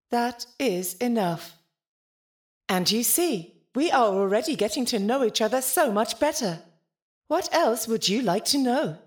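A woman playing a polite, lonely, literal-minded nonhuman intelligence in an audio drama, speaking formally and precisely. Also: on the high side. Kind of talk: audio fiction podcast acting.

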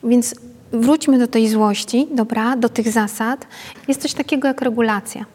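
High-pitched lady running a parenting workshop, chatty, keeps checking in with the group, long hall reverb. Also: steady tone, normal speed, darkish tone. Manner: chatty, often adds tag questions to check in with listeners. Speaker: pedagogue leading a parenting workshop. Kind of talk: informal workshop talk to a group.

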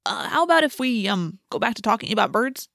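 A woman's voice: fairly high pitch, big pitch swings, a little fast, vocal fry, fairly bright tone, dry recording, studio quality, heavily acted. A woman voicing a brash teenage boy in an audiobook, teasing and sardonic in manner. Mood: cocky.

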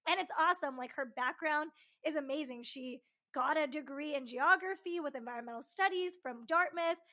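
A woman's voice: high voice, sharp tone. A woman hosting a podcast interview, upbeat and eager, with frequent "you know" fillers. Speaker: podcast host.

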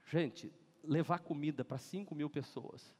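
A Brazilian man preaching a lively sermon as pastor, acting out scenes and leading the congregation to read aloud together. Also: on the high side, unhurried, slightly rough. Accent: Brazilian Portuguese. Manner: animated, acts out scenes and leads congregation in shouting. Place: large church hall. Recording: long church hall reverb.

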